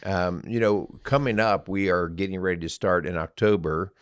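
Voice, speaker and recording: A middle-aged man co-hosting a podcast, telling stories in a relaxed, easygoing way with plenty of fillers. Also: low-pitched, normal speed, clear, resonant tone, no echo, clean studio sound. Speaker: podcast co-host. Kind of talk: casual chat.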